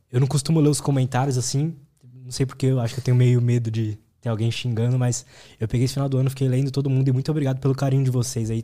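A man hosts a podcast and interviews his guest in a casual, friendly way. He talks quickly, and his voice has a mellow, darker warmth. His reactions stay short and easygoing. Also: mid-range voice. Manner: relaxed, friendly, brief reactions. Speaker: podcast host.

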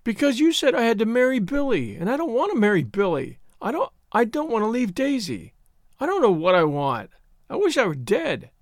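A man acts out a naive young woman from a storybook, pitched high and swooping with feeling. The voice is small and hesitant, quavering as it pleads stubbornly in distress. The recording is very dry and close. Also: wildly swooping pitch, normal speed, darkish tone, no room sound, full character voice. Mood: tearful. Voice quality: faint, small voice. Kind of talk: dramatised audiobook story reading.

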